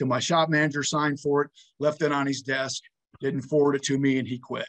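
The delivery is monotone, with flat intonation. It moves at a very fast pace. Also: man, dry, close sound with no echo. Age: 60s. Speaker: homeowner addressing city board. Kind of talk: public comment testimony.

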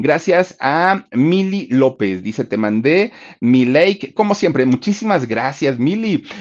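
A man speaks at a very slow pace over a quiet background. His fairly high voice makes very wide pitch swings. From Mexico. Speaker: YouTube storyteller host; livestream host. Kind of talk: storytelling live stream with chat readouts. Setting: live stream. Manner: conversational, repetitive. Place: home room. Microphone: headset.

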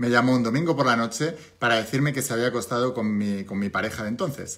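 The pitch moves with ordinary variation. The background is quiet. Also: man. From Spain. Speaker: business mentor and online coach. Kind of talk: sales pitch. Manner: animated, motivational. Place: home room. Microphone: phone near.

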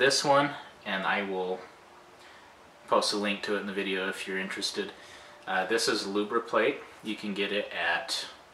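A man at a fairly low pitch with ordinary pitch variation and a moderate pace, amid audible room echo and light background noise. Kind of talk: tutorial. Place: garage. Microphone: camera far.

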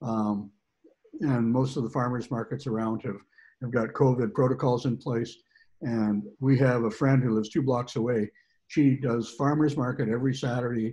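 Against a quiet background, a man speaks somewhat breathily at medium pitch and a moderate pace, his tone dark and mellow and his intonation fairly even. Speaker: marketing presenter, web services. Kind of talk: presentation. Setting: video call.

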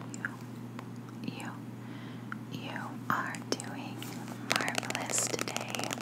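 Loud background noise runs throughout. A woman talks over it. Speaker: ASMR artist. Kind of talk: casual ASMR greeting to viewers. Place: home room.

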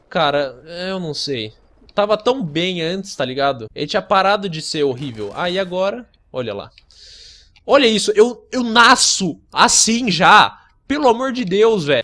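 In a raised, projected voice, a man with a high pitch and a bright, sharp tone speaks at a fairly slow pace, with very wide pitch swings and big swings in loudness. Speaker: gaming youtuber. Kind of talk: gameplay commentary. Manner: animated.

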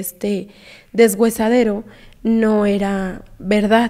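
Against a quiet background, a woman with a fairly high pitch and a dark, mellow tone speaks very slowly with fairly even intonation. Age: 20s. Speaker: abuse survivor; podcast guest. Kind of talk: testimony. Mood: serious, recounting painful past. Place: studio. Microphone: studio mic.

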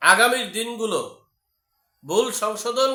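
In a raised, projected voice, a man speaks at an extremely high pitch with a bright, sharp tone and fairly even intonation, amid audible room echo. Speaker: political commentator on a news channel. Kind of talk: political commentary monologue. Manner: halting, with many pauses.

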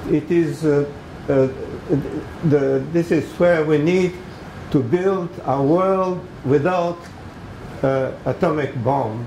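Recorded with audible room echo and light background noise, a man with a Japanese accent speaks very slowly at a fairly high pitch. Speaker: professor. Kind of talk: conference talk. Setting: stage with audience. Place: meeting room. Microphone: podium.

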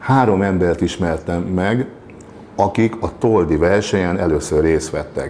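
Very slow and very deep, a man speaks at a low pitch over light background noise. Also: ordinary pitch variation. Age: 60s. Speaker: strongman and former athlete; interviewee. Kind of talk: interview. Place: cafe. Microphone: lapel.

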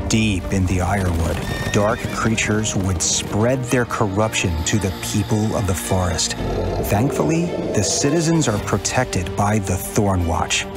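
A man speaks at a fairly slow pace with hardly any pauses, his voice dry with no echo over loud background music. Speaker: voice actor. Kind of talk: commercial read for a tabletop game. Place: studio. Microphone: studio mic.

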